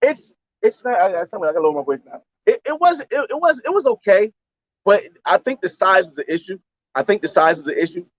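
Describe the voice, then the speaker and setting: A man's voice: high-pitched, very animated, fairly quick, dry recording, muffled recording. A man from the United States, a travel vlogger, telling a story in a rambling, slangy way on a livestream and repeating his phrases.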